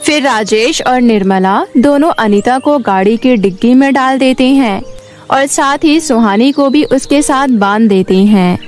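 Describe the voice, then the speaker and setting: A woman narrating a scripted animated moral story as its storyteller. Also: a little high, a little slow, soft background music.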